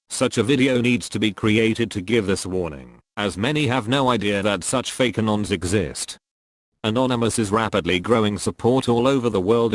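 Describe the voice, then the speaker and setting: Guy w a disguised deep voice reading a formal warning, low, dry close sound. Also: no echo. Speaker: anonymous spokesperson. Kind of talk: scripted statement read aloud.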